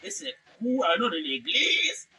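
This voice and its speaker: A man preacher delivering a fervent sermon, shouting and calling out repeated amens. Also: very high-pitched, wildly swooping pitch, unhurried. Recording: distant mic with faint background noise.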